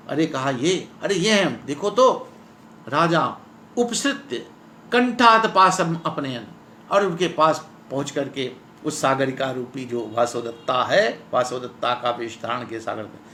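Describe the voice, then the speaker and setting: Male Sanskrit teacher, bright voice, dramatic slow recitation, echoey room. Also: medium pitch. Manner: recites Sanskrit lines slowly, then explains them in Hindi with dramatic emphasis. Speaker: Sanskrit lecturer. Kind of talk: reading and explaining a Sanskrit play in Hindi. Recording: echoey room with faint noise.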